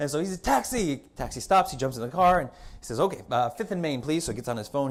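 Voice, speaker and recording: Very fast pace and lively intonation from a man with a fairly high pitch. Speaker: motivational speaker. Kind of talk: live keynote talk to an audience, humorous storytelling. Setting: live event, speaking to a room. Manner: high energy, humorous.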